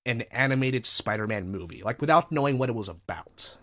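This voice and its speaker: A man hosting a podcast into a studio microphone, relaxed and halting with lots of ums. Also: medium pitch. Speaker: podcast host. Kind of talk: casual chat.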